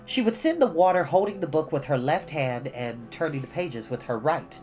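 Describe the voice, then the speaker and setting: An expressive, informal storyteller reading a children's book aloud, with casual asides. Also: mid-range voice, a little fast, highs cut off, soft background music. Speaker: storyteller and host.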